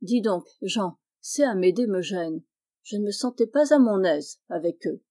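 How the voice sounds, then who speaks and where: A woman's voice: mid-range voice, expressive, moderate pace, warm tone, close to an everyday voice. A woman voicing a blunt older male farmer in a storybook reading, speaking frankly and plainly.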